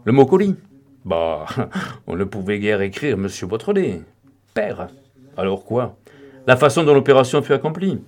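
A man reading an audiobook and voicing a commanding, mocking gentleman thief who taunts and threatens. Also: medium pitch, sing-song, moderate pace, pauses often. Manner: taunting, imperious, calls the youth baby.

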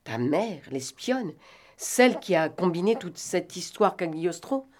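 Lady reading a pushy questioning guy, her low voice, firm. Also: big pitch swings, a little slow. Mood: probing. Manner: questioning, insistent. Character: probing stern young gentleman. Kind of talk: audiobook reading.

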